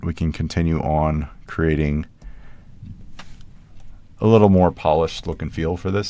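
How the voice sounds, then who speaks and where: A man with a low voice walks through writing code in a relaxed, conversational way, talking to himself as he goes. He sounds like a screen-recorded coding tutorial, with keyboard typing heard behind him. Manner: casual, thinks aloud while typing code. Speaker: programming tutorial host.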